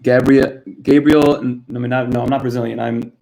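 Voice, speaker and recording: Speaking at a moderate pace with a level tone, this young Miami man has a medium-pitched voice that's gravelly and warm. It's his first live stream, and he chats casually, greeting viewers by name from a cluttered home room in Florida, United States. A built-in camera mic captures him in poor audio.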